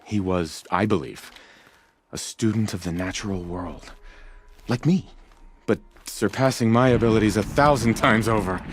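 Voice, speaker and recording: A man playing an earnest, eager self-taught tribal naturalist in a video game, musing in a wonderstruck, halting, self-important way. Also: fairly low pitch, husky. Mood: admiring. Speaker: non-player character in a video game. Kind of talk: video game dialogue acting.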